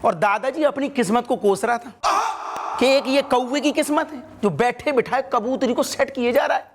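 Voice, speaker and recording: A man's voice: very high-pitched, normal speed, a little hiss or hum. An actor playing a nosy oddball young man who stares at everything and is questioned at a police post, pleading in rhyming comic patter. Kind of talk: TV sitcom acting. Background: background music.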